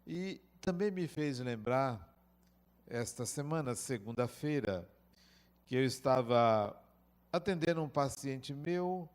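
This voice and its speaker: A middle-aged man with a Brazilian Portuguese accent giving a lecture, telling personal stories in a reflective, unhurried way. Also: medium pitch, darkish tone. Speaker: spiritist lecturer. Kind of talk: spoken lecture with personal anecdotes.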